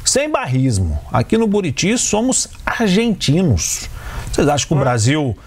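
A man hosts a live sports radio show, reading listener messages in a chatty way. His voice is husky, pitched a little high, and rises and falls a lot. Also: wildly swooping pitch, measured pace.

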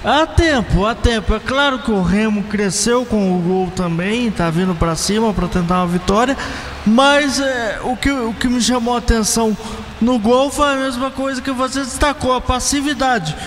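Very high-voiced man giving radio football analysis. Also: moderate pace, a bit bright, long reverb tail, a little hiss or hum. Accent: Brazilian Portuguese.

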